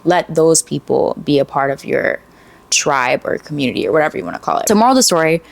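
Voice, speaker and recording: A woman's voice: sits low, animated, fast, creaky. A woman in her late twenties giving casual, earnest advice to camera, her voice going after long talking, with frequent "like" and "right?". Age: late 20s. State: losing her voice. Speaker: lifestyle vlogger.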